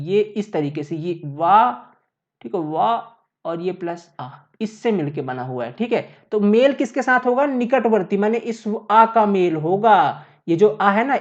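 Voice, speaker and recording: Teaching at a board, this woman walks through her lesson step by step, repeats her points, and poses questions only to answer them herself. She has an expressive mid-range voice and speaks a little slowly, with dull audio.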